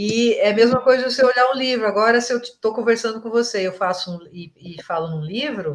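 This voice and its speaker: A woman's normal speaking voice, fairly high in pitch, with ordinary pitch variation and big swings in loudness. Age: 60s. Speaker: client giving testimonial. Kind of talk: testimony.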